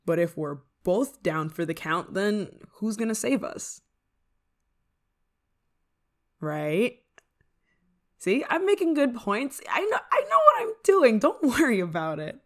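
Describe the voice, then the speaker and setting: A woman's voice: fairly low pitch, animated, a little slow, few pauses. A woman playing an eager, affectionate, scatterbrained novice witch in an ASMR roleplay, coaxing the listener in a giggly manner. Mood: defensive, insistent. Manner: giggly, coaxing, hesitant asides. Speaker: roleplay voice performer.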